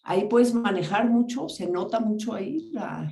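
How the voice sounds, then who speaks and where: A woman's voice: mid-range voice, lively intonation, moderate pace, vocal fry, mellow, roomy sound. A woman, hosting an interview, asking engaged questions and affirming the guest's answers. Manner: engaged, asks questions and affirms with short replies. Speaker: host.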